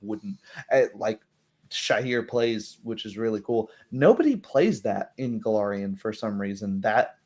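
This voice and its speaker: A man's voice: lowish voice, unhurried, darkish tone. A man chatting casually as the game master of a roleplay group, rambling and interrupting himself. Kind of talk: casual post-game discussion.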